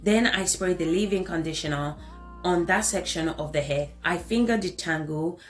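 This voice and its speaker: A woman in her thirties with an African accent talks through a hair care tutorial in a lowish voice. She is enthusiastic and repeats phrases for emphasis. Soft music plays faintly behind her. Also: normal speed. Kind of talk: tutorial voice-over.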